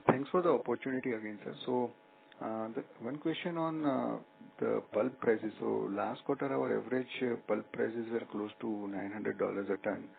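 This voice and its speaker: Analyst caller, male, creaky mid-range voice. Polite, halting, heard over a telephone line. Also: mid-range voice, fairly even intonation. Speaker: analyst asking questions. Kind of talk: earnings call questions. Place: conference call by phone. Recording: narrow phone line with faint hum.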